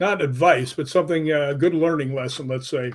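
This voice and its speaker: With an American accent, an ordinary speaking voice moves at a fairly quick pace with ordinary pitch variation. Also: man. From United States. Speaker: actor and stunt man, paranormal investigator. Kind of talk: casual interview chat.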